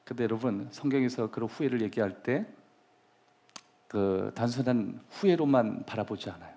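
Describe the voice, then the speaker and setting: Animated man preaching a sermon. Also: mid-range voice, normal speed. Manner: animated preaching, acts out scenes, shifts to soft whispers. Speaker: pastor. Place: church sanctuary.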